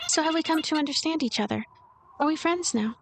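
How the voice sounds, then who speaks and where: A woman's voice: high-pitched, brisk, gravelly, fairly bright tone, a little hiss or hum, voice pushed up. A woman voicing a timid, eager young nun in training in a game, speaking politely and hesitantly. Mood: hopeful.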